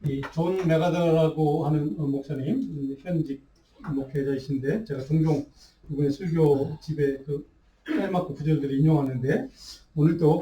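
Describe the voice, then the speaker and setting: A man preaching a sermon as pastor, unhurried, with restarts and fillers. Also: on the high side, dark tone. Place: church sanctuary. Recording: roomy church sound, mic at a distance.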